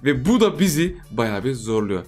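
A man's voice: mid-range voice, sing-song, moderate pace, darkish tone, faint music behind. A young man giving chatty live commentary on a game he is playing, repeating himself and teasing the other players. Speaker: gaming YouTuber.

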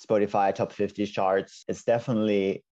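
Finnish male guest, 20s, native Finnish speaker; relaxed casual talker, dark tone, lo-fi call audio. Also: fairly low pitch, normal speed. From Finland. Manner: relaxed, lots of like and you know. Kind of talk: casual interview chat. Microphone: earbud mic on a video call. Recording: dull lo-fi video call audio.

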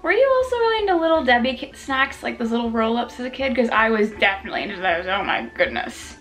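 A woman's voice: on the high side, very animated, quick pace, fairly bright tone, soft background music. A woman hosting a mukbang, chatting casually about desserts while chewing and tasting. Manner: chatty and self-deprecating, talks while chewing. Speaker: food vlogger.

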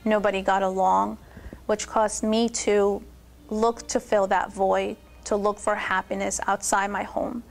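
A young adult woman from Peru telling her personal testimony in a steady, earnest way. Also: mid-range voice, unhurried, gravelly. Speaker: testimony speaker.

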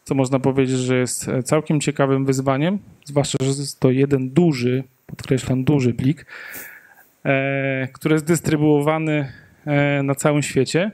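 A man's voice: mid-range voice, little pitch movement, measured pace, darkish tone. A man in his thirties giving a tech meetup talk into a handheld mic in a conference room, hesitant with many fillers and joking asides. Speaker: conference speaker. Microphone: handheld microphone.

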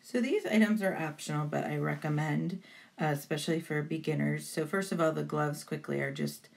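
As the host of a baking tutorial, this woman talks beginners through each step in a chatty, encouraging voice-over. Her voice is low and creaky, and she speaks a little fast.

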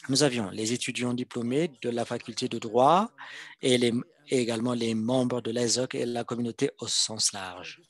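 A man interpreting a formal presentation live, in halting phrases that come piece by piece. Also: medium pitch, fairly even intonation. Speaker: simultaneous interpreter.

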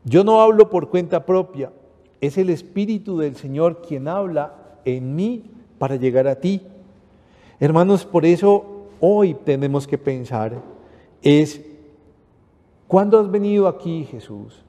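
A Panamanian priest preaching a homily in a deep, mellow, dark-toned voice that sits a touch higher than most men. He speaks earnestly and keeps addressing the listeners as brothers. A long reverb trails after his words, as in a large hall. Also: animated, a little slow. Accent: Panamanian Spanish. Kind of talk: sermon.

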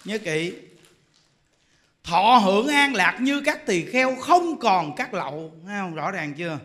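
A man preaching a lively Dharma talk, constantly checking in with rhetorical questions. His voice sits high and sounds bright and forceful. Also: unhurried. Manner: animated, teasing, full of rhetorical questions. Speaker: Buddhist monk.

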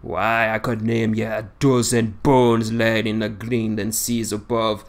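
A man's voice: on the low side, little pitch movement, a little slow, gravelly. A man voicing a boastful, grumbling old seaman in broad dialect, in an audiobook reading. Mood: reminiscing. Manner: broad dialect, scornful ranting.

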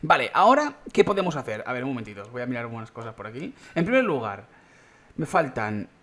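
A young man with a Spain Spanish accent commentates on his gameplay in an animated, chatty way. He swears casually, keeps addressing his viewers directly, and his voice sits at an ordinary middle pitch. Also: fast. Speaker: gaming YouTuber.

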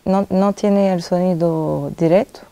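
A young woman talks through her filmmaking in a low, mellow voice with a gravelly edge. She speaks slowly, pausing often and correcting herself as she searches for words. She sits in a dark cinema auditorium for the interview. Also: fairly even intonation, no room sound. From France. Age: young adult. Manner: halting and thoughtful, many pauses and self-corrections. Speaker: film director. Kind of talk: interview answers.

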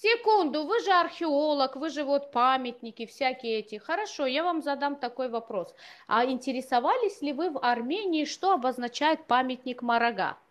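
A woman's voice: sits high, expressive, normal speed. A woman in her thirties hosting an argumentative live stream, insistent and exasperated, speaking into an earphone headset. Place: small indoor room at home. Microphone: wired earphone headset.

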